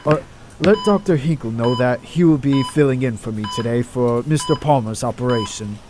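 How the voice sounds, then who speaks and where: A man's voice: medium pitch, normal speed, background noise, lightly acted. A man voicing a weary, embittered middle-aged doctor in an audio drama, downcast and dramatic. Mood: defeated, bitter. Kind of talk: amateur audio drama acting.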